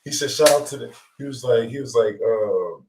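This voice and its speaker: A man's voice: mid-range voice, normal speed, darkish tone, far from the mic. A man co-hosting a casual talk show, telling stories in slangy, profane, repetitive speech, recorded in a roomy space away from the mic. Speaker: radio show co-host. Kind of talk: casual chat.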